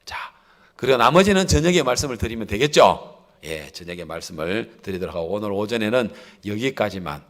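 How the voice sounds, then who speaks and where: A man preaching a sermon as pastor, asking the congregation questions and swinging between loud exhortation and low, drawn-out endings. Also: very animated. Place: church sanctuary.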